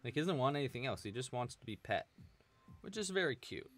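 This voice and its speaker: A chatty young man leads a live crochet lesson from home, his voice rising and falling in an animated way. He jokes and answers chat as he works at a desk mic. Soft music plays quietly behind him. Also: mid-range voice, brisk. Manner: chatty, playful, laughs often, reads chat aloud. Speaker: crochet teacher. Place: small room at home, indoors.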